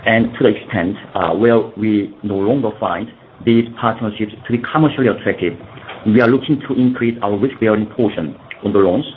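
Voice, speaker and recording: A man in the role of a company executive, formally reading prepared earnings call remarks and sometimes stumbling over his words. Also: on the low side. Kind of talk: scripted earnings call presentation. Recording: dull lo-fi conference call, faint noise.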